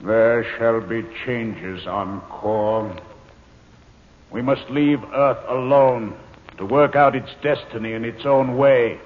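A man's voice: medium pitch, takes it slowly, narrow, tinny audio, natural voice. An actor playing a centuries-old alien man, stern yet tender, in a grave, declamatory 1950s radio drama style. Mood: commanding. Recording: hissy band-limited 1950s radio with reverb.

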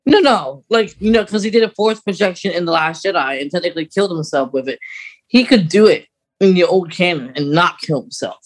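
A man's voice: high-pitched, expressive, a little fast, rough recording. A man co-hosting a podcast in casual fan chat, often restarting his sentences mid-thought. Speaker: podcast co-host.

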